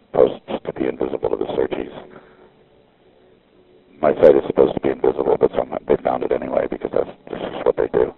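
A man's extremely low, gravelly and slightly rough voice comes through with phone-quality sound as he records a message on a street payphone. He rambles casually, halting and restarting his sentences again and again.

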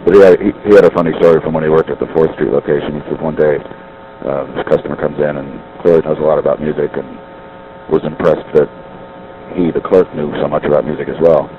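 Heard through a payphone on a city street, a middle-aged man delivers a digressive, musing monologue, frequently correcting himself. He talks fast in an extremely low, fairly even voice. The highs are cut off and there's slight background noise.

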